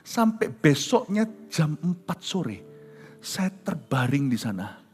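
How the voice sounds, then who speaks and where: A man's voice: fairly high pitch, lively intonation, slow. A man preaching a sermon as a pastor, telling a story dramatically and slipping in English phrases. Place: large church hall. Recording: long church reverb with soft music.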